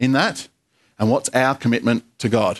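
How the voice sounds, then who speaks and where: The background is quiet. A man with an Australian accent speaks at medium pitch. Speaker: pastor. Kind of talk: sermon. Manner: halting.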